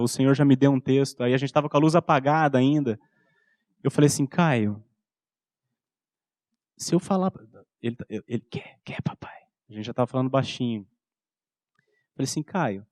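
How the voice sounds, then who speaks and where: A man in his thirties with a Brazilian Portuguese accent, preaching a sermon and telling a personal story, acting out soft-spoken dialogue with his son. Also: mid-range voice, no echo, clean studio sound. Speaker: pastor.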